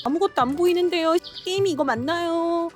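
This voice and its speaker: A young woman streaming a horror game, loud and excitable, joking as a panicked husband and often shrieking. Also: extremely high pitch, a little fast, soft background music. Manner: comic, playing a panicked husband. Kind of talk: live game streaming commentary.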